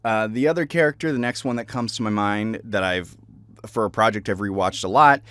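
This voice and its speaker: A man's voice: lowish voice, a little fast, a bit bright, clean tone, no echo. A man talking casually to viewers as a voice actor, presenting favorite characters.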